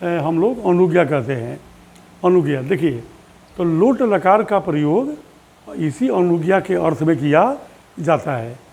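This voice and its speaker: Male teacher, high voice, unhurried, drills forms aloud and quizzes pupils. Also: big pitch swings, vocal fry, a little mellow, slightly rough. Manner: patient, repeats drill forms aloud slowly; asks questions of pupils. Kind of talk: online classroom lesson.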